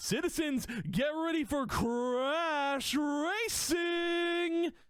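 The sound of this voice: Putting on a character voice, the speaker uses a high pitch and a very slow pace.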